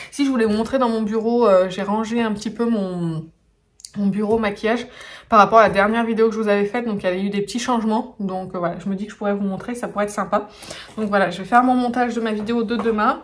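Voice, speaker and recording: A woman's voice: mid-range voice, fairly even intonation, fast. A woman with a French accent chatting casually in a home beauty vlog, laughing often and full of fillers. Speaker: beauty vlogger. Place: home, indoors.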